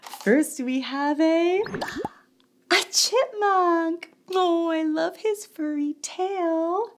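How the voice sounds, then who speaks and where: A woman's voice: extremely high pitch, extremely slow, a little hiss or hum. A young woman hosting a toddler show, teaching in a playful sing-song way and making animal sounds. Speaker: children's show host.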